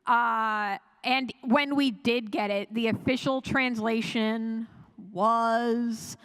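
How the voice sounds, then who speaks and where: Woman doing a fan panel, highish voice, chatty and animated, dry little asides to the crowd. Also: slow pace, clean tone. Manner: animated, wry, conversational asides. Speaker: panelist presenting at a fan convention. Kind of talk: informal panel talk to an audience. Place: convention panel room before an audience.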